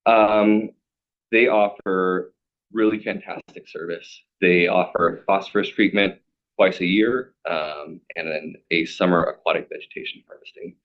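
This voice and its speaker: A man with a raspy voice giving a formal staff presentation as a program manager. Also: low voice, unhurried. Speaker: city stormwater program manager. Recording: dull, band-limited meeting audio.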